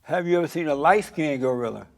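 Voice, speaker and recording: A man's voice: on the high side, expressive, quick pace, creaky. A man hosting a talk show interview, pressing his guest with blunt, leading questions.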